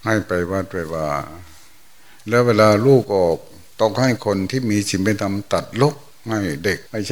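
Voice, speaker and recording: Older monk, low folksy sermon. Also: male voice. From Thailand. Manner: folksy, unhurried storytelling with exclamations. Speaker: monk giving a Dhamma talk.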